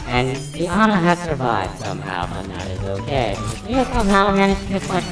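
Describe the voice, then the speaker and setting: Distant, echoing man over loud game music. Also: on the high side, sing-song, normal speed. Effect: echoing voice changer. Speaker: gamer. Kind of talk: gameplay commentary.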